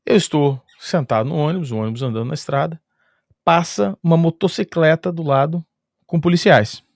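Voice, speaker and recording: In a dry, close recording with no room echo, a lively man with a Brazilian Portuguese accent shares a travel story in relaxed conversation. His gravelly voice is a little higher than most men's and a little fast, and he chuckles often and uses sound-effect words to fill gaps.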